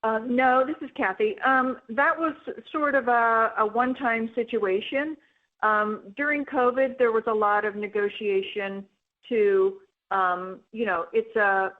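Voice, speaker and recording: A woman executive answering analyst questions on an earnings call, in a conversational way with frequent fillers. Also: medium pitch. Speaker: company executive. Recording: tinny phone line.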